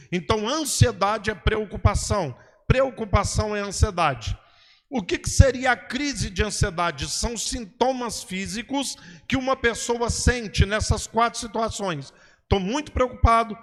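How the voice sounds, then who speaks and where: Male preacher, high voice, didactic question-and-answer sermon delivery, long hall reverb. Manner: didactic, repeats "ok?" and "entendeu?", asks and answers his own questions. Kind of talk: sermon-style teaching talk.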